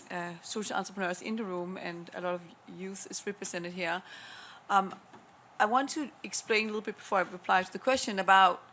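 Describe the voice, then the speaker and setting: A woman's voice: mid-range voice, gravelly, fairly bright tone, a little hiss or hum. A woman from Denmark with a Danish accent, speaking on a conference panel, enthusiastic and persuasive as she rattles off figures. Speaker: panelist, corporate innovation lead. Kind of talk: panel discussion remarks. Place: conference room at a panel event.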